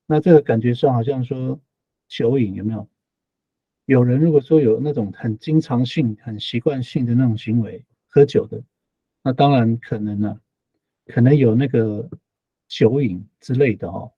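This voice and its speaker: A man talks through an online language lesson at an easy, patient teacher's pace, going back over each phrase and tagging his sentences with little particles. His voice is a touch husky, and the recording sounds dry and slightly dull, like lo-fi class audio. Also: medium pitch, moderate pace, no room sound. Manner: patient explaining, repeats phrases, frequent tag particles.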